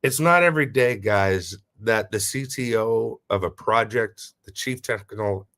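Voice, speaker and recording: A man hosting a casual live audio stream, sounding nasal and stuffy from a head cold and giving upbeat shout-outs to listeners. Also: on the low side, unhurried. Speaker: host. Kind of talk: casual livestream chat.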